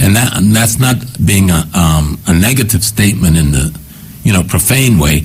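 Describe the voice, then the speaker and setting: A man with an American accent speaks at a very deep, low pitch with lively intonation and very even loudness. Noticeable background noise is audible. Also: moderate pace. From US South, Gullah/Geechee area of South Carolina. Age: 70s. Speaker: professor and spiritual leader. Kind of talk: radio interview.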